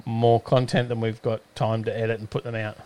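A man's voice: lowish voice, little pitch movement, fairly quick, darkish tone. An Australian man hosting a live stream in casual, rambling chat, hesitating often as he goes. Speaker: host of a live-streamed show.

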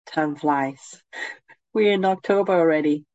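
Slow, nasal woman guiding a meditation. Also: low-pitched, dry recording, lo-fi sound. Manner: slow, gentle, soothing instructions. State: head cold. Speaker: meditation guide. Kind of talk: guided meditation.

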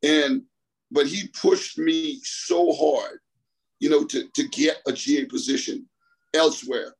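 Speaking slowly in a husky, fairly high voice, a middle-aged track coach from the Bahamas recounts his story on a call. He wanders, says things more than once and laughs a lot. The audio is poor.

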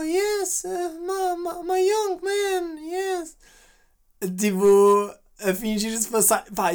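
Male podcast host, European Portuguese accent, casual slangy storyteller who acts out quotes. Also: sits high.

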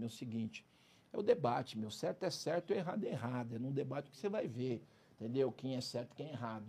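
A fast-talking man with a husky, slightly raspy voice and a lively, swinging pitch. He speaks in an emphatic, streetwise way, pressing each point hard as he tells his story in a casual interview. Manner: emphatic, streetwise, keeps adding "entendeu?" and "cara". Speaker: interview guest, former criminal turned prison speaker.

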